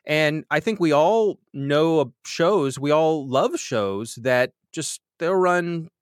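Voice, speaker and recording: A man hosting a podcast, chatting with self-deprecating humor and getting animated when he tells stories, with a slightly nasal voice. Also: on the high side, takes it slowly, clear, resonant tone, no room sound, clean studio sound. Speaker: podcast host. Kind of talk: conversational interview answers.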